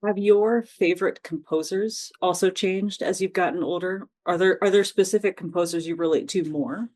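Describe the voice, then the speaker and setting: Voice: medium pitch, normal speed, a little mellow. A co-host of a backstage podcast, asking the guest brief follow-up questions. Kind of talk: interview questions.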